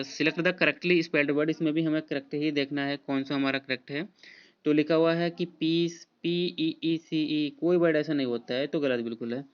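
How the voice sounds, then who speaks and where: A man's voice: on the high side, clean tone. A man, teaching an exam prep lesson in a casual way, spelling out words letter by letter with many fillers. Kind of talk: spelling quiz walkthrough. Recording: dull lo-fi voice recording.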